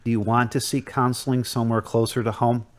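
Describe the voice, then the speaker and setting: A man acting a calm, measured counseling Catholic priest in an audio drama. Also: mid-range voice, natural voice. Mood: calm, advisory.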